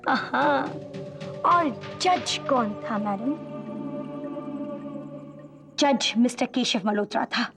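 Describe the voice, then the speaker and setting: Bitter, accusing TV-serial woman, slightly high voice, deliberate and dramatic, score playing behind. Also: lively intonation, vocal fry, heavily acted. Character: bitter, accusing woman blaming a rival for her brother's death. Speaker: actor in a TV serial. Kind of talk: Hindi TV melodrama acting. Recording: TV drama with prominent background music.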